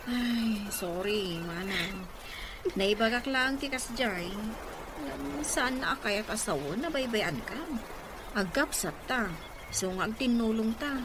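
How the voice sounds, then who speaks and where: A woman's voice: on the high side, expressive, takes it slowly. An actress with an Ilocano accent playing a younger sister, a scolding yet caring village woman in an audio drama. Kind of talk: Ilocano radio-style drama acting. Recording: clearly noisy ambient background.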